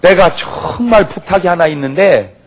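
A man's voice: high voice, moderate pace, a little hiss or hum. A man, preaching a humorous revival sermon and acting out the people in his stories. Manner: animated storytelling, acts out characters and shouts. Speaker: pastor.

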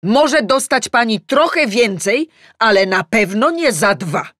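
Exasperated male editor-in-chief, played by a female narrator, audiobook. Emphatic, self-pitying rants, very animated pitch, dry sound. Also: measured pace, no room sound. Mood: exasperated, stern. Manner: emphatic, ranting in numbered points. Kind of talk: audiobook character acting.

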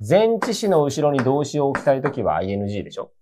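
A man's voice: medium pitch, sing-song, quick pace, warm tone, slight background noise. A man teaching an English grammar lesson for university entrance exams, talking in a casual, emphatic, colloquial way. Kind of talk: casual exam-prep lecture.

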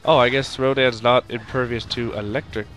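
A young man with a stuffy nose from a cold, rambling through casual let's-play commentary and shouting at the game now and then. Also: mid-range voice, fairly even intonation, normal speed, soft background music. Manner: rambling, makes sound effects and shouts at the game.

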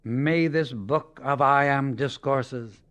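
A man reading a devotional book aloud as an audiobook narrator, in a measured, reverent way with long pauses. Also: medium pitch, fairly bright tone. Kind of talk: slow, solemn reading of devotional text.

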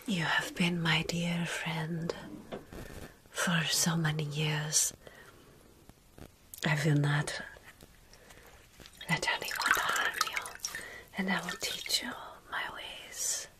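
A woman in her thirties voicing a tender, motherly vampire in a soft, soothing whisper for ASMR roleplay, close to the mic. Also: sits low, little pitch movement. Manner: soothing, slow, reassuring. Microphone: close ASMR microphone.

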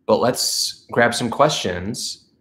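A man's voice: mid-range voice, takes it slowly, fairly bright tone. A man in his thirties, stuffed up from allergies, chatting casually with viewers on a livestream from his living room. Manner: chatty, upbeat, reads out viewer messages. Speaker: channel host. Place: living room with a couch, indoors. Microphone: camera facing him at close range.

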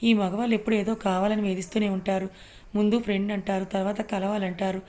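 A woman voicing a guarded young married woman who speaks in a sharp, reproachful way, read as part of a told story. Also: mid-range voice, flat delivery, quick pace, lightly acted.

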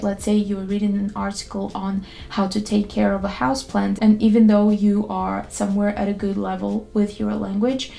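A young woman whose first language is not English speaks straight to the camera from her bedroom, explaining things in a calm and candid way. Her voice has a gravelly, fry-tinged edge and a dark, mellow timbre. The delivery sounds like a prepared talk. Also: medium pitch. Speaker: language learning YouTuber. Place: bedroom with photo-covered wall.

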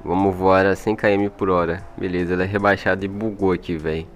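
A man's voice: low-pitched, flat delivery, fast, slight background noise. A man with a Brazilian accent giving casual, slangy, chatty gameplay commentary into an old microphone. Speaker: gaming video creator. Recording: music behind, old microphone.

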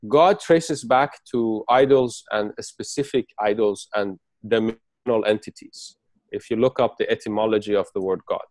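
A man from Persia, raised in the Emirates and speaking Farsi as his first language, gives a halting spoken account with many restarts as an interview guest on a video call. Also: lowish voice, darkish tone, no echo. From Persian, raised in the UAE.

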